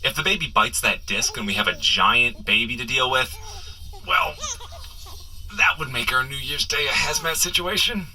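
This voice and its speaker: A man's voice: mid-range voice, sing-song, moderate pace, bright, forceful tone, exaggerated voice, low-quality recording. A man playing a bumbling, good-hearted superhero in a comedy audio drama, coaching the listener with nervous, apologetic, rambling chatter. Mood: nervous, encouraging. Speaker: actor playing a superhero guide.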